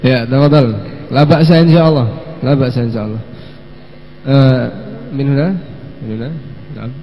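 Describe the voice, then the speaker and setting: A man hosting a live-streamed children's story lesson, gently coaxing the kids to answer and sprinkling in Arabic phrases. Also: medium pitch, steady tone, unhurried. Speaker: children's religious teacher and host. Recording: long hall reverb with faint mains hum.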